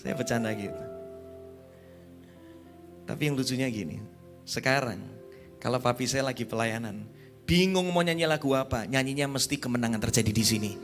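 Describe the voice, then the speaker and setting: A man preaching a sermon at a youth conference, emphatic, with sudden high exclamations. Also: normal speed, long pauses, faint music behind.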